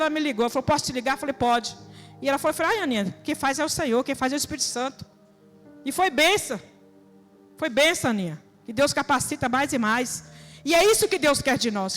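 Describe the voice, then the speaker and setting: A high-pitched woman preaches to a congregation, urging and questioning in plain colloquial speech. Her voice rings through a reverberant church hall, with soft music underneath. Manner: earnest, exhorting, colloquial, with rhetorical questions. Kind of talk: sermon.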